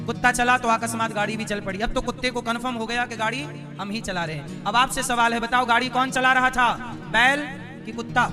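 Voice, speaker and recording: High-voiced man preaching over music. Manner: questions and teases the audience. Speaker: katha preacher. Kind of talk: devotional sermon with storytelling.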